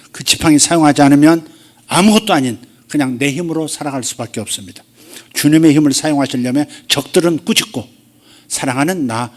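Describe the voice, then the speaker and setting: A man preaching as a pastor, moving from quiet storytelling to loud, drawn-out declarations and prayer. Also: medium pitch. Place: church sanctuary.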